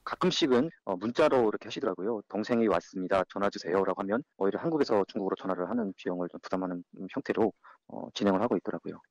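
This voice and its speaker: Guy from north korea, voice masked deep by a filter, rushed talk, dull lo-fi clip. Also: lively intonation, no echo. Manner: hesitant, with fillers. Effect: voice-disguising filter, lowered and deepened. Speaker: interviewee. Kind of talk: recorded interview clip.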